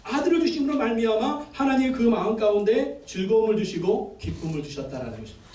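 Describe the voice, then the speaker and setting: A male pastor preaches an emphatic sermon in a church sanctuary, building call-and-response lists and repeating phrases. His voice sits high, animated, fast and a little mellow, recorded from a distance in an echoey church.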